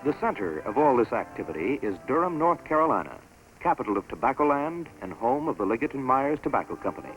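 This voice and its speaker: A man's voice: medium pitch, sing-song, rough recording. Stately male announcer over orchestral music. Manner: measured, stately announcer delivery. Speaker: film narrator. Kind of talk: scripted documentary narration. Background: orchestral music score.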